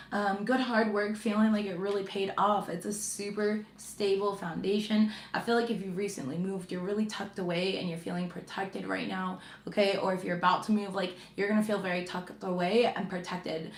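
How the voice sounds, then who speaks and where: A woman's voice: mid-range voice, reverberant. A woman reading tarot cards to her viewers in a chatty, reassuring way, with frequent fillers and check-ins. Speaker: tarot reader.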